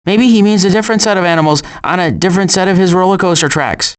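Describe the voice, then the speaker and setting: A man voicing a sardonic, glib animal adventurer in an animated video game, with dry sarcasm and deadpan asides. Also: high-pitched, fast, close to an everyday voice.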